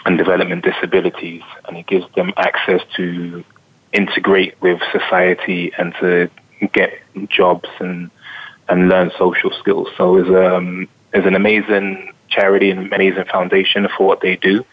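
Deep flat-voiced London man. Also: phone-quality sound. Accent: London English. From England. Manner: measured, frequent "um" pauses. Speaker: guest, retired pro soccer player. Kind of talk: interview answers.

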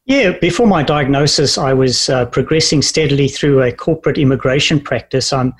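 A man in his fifties from South Africa with a South African accent, speaking earnestly and with measured restarts as an interview guest. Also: medium pitch, slight background noise. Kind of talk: interview conversation.

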